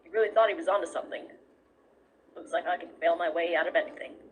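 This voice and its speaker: A woman's voice: lowish voice, fast talker, close to an everyday voice. A woman voicing a laid-back, self-deprecating skeleton older brother in a fan comic dub, over noisy playback. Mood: wry, deflated.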